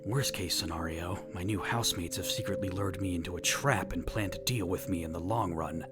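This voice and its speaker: A man playing a brooding, world-weary hero who narrates a fan audio drama in a formal, deadpan, wry way. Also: low-pitched, brisk, lightly acted. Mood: wry, guarded. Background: music.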